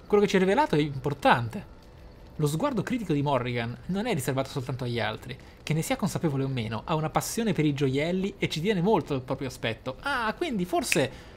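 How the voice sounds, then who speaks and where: Game music accompanies a man on his gaming channel as he expressively reads lore aloud and muses on it off the cuff. His voice is on the high side, and slight background noise can be heard.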